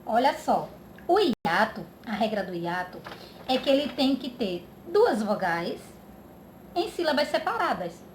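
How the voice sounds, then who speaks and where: Woman teacher, slow and patient, slightly high voice, echoey room with faint noise. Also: sing-song. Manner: slow, drawn-out, checks in with "tá?". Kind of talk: children's grammar lesson.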